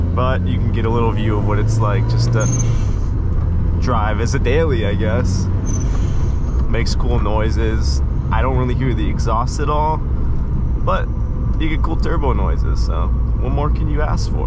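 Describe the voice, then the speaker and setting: Amid loud background noise, the speech comes at a moderate pace with long, frequent pauses and a dry sound with no echo. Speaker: car owner vlogger. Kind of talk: casual vlog chat. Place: car. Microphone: phone near.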